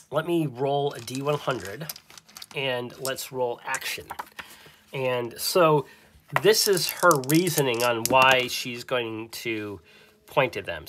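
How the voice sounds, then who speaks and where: Man, solo game master, unhurried delivery, thinks aloud, lots of pauses and fillers. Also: medium pitch, background noise. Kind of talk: narrating a solo tabletop game.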